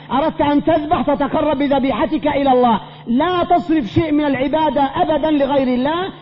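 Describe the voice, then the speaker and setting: A man, a sheikh teaching a creed class, insistently quizzing his students and repeating emphatic phrases. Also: extremely high pitch. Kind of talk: classroom religious lesson. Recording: reverberant hall, dull lo-fi, faint hum.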